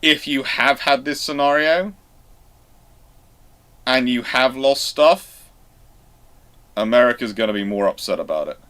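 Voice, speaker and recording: A man hosting a casual live panel show, speaking haltingly and often circling back to rephrase. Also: mid-range voice, fairly bright tone. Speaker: host of a live history question show.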